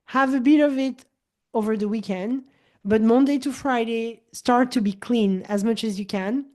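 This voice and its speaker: French-speaking woman in her 40s, kinda high mellow voice, chatty coach, acts out little dialogues. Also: normal speed. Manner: animated, repeats words and restarts, acts out quoted dialogue. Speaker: host, wellness coach. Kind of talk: casual podcast conversation.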